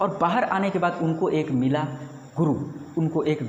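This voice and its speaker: Noticeable background noise and audible room echo surround a man speaking at a fairly high pitch with ordinary pitch variation. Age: 20s. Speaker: YouTuber. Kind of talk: vlog monologue. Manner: animated.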